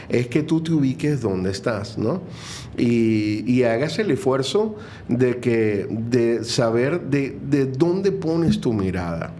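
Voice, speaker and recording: As a guest in a conversational interview, this middle-aged Venezuelan man, a Catholic music minister, reflects earnestly, often restarting and using fillers. He has a Venezuelan Spanish accent and a mellow, medium-pitched voice, and a little background noise can be heard.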